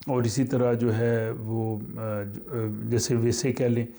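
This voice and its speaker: A man teaching a language lesson, explaining slowly with many pauses and fillers. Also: medium pitch, little pitch movement, gravelly, warm tone.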